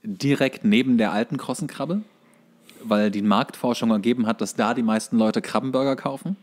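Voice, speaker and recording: A man's voice: medium pitch, fairly even intonation, normal speed. A man co-hosting a podcast, chatting casually as he retells cartoon episodes. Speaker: podcast co-host.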